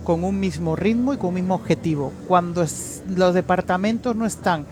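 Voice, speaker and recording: A makeup artist from the Canary Islands with a Canarian accent that years in Madrid have softened, talking openly and effusively with the host in a radio interview. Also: male voice, high voice, normal speed, slight background noise. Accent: Canarian Spanish, softened by years in Madrid. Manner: warm, effusive, calls people "cari".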